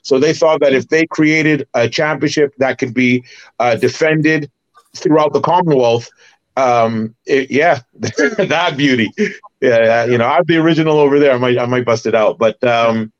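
A middle-aged man from Barbados, a former wrestler and promoter, recalling his career in an animated, detailed way as a podcast guest. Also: medium pitch, normal speed, highs cut off. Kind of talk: casual interview storytelling.

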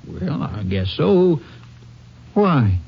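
A man's voice: a little high, very animated, drawn-out words, vocal fry, slightly rough, full character voice. Casting: small-town Texas lawman, blunt and country-folksy, swooping intonation, dull vintage radio sound. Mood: grudging. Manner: folksy drawling idioms, blunt. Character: folksy, loyal small-town Texas sheriff, plainspoken and skeptical. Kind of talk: 1950s western radio drama acting. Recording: muffled noisy old radio recording.

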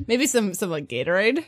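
A woman's voice: medium pitch, sing-song, a little slow. A woman chatting casually as a guest player in a game, joking and swearing freely. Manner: profane, joking. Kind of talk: casual chat.

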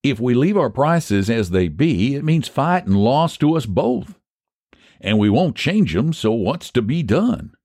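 A man's voice: mid-range voice, big pitch swings, a little slow, darkish tone, no echo, studio quality, pitched above the performer's own voice. A man playing a scheming, folksy rural American pie baker. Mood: bargaining. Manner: folksy, emphatic, persuasive.

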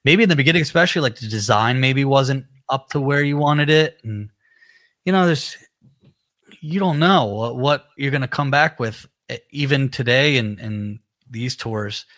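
A man's voice: medium pitch, normal speed, fairly bright tone. A man with a nasal voice, a musician chatting casually on a live stream, rambling and laid-back with lots of fillers. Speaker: musician co-hosting a live chat. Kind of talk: casual chat.

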